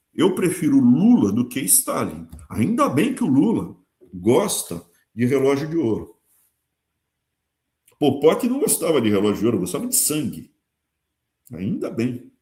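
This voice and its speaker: Lively sarcastic Brazilian man commentating. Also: mid-range voice. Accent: Brazilian Portuguese. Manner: sarcastic, lively, talks with colloquial asides. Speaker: channel host. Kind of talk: political commentary monologue. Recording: echoey room.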